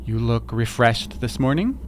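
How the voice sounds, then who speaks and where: A man's voice: medium pitch, very animated, unhurried, a little hiss or hum. A man playing a nervous, haggard, submissive father in a radio play, hesitant and apologetic. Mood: timid, polite. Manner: hesitant, apologetic, stammering politely.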